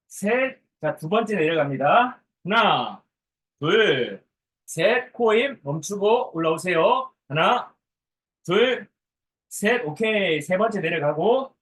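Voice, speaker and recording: A man's voice: high-pitched, a bit bright, recorded from a distance. A man leading a live workout as a fitness coach, counting reps and giving short, repeated, commanding orders in a drill-like manner. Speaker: online group fitness coach.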